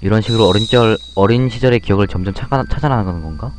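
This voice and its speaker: A man's voice: lowish voice, quick pace, a little hiss or hum. A man playing a game and thinking aloud in casual commentary. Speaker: game player.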